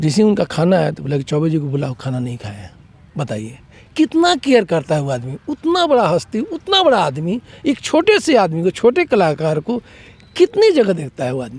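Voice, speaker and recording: A man speaks with a Bihari accent at a moderate pace. The sound is dry and close, with no echo. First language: Bhojpuri (speaking Hindi). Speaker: film actor. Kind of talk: interview.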